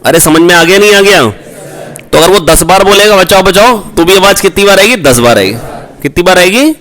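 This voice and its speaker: A man teaching a physics revision class online, coaxing his students, repeating key points and firing quick questions at them. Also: sits high, expressive, a bit bright. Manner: asks rhetorical questions, prompts answers. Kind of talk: online exam-prep lecture.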